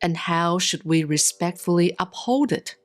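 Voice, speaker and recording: A woman reads Buddhist scripture as a monastic, in a solemn, measured and deliberate scripted style with pauses between phrases. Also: on the low side. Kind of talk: solemn scripted sutra recitation, audiobook-like reading. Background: soft plucked guitar-like music.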